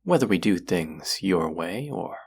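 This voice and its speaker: Man as a very deep, gravelly, possessive demon. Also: lively intonation, exaggerated voice. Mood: possessive, hungry. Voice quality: low, husky, gravelly. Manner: slow, teasing, menacing, often dropping to a whisper. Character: possessive, seductive demon who craves human hearts. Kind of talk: intimate scripted audio roleplay.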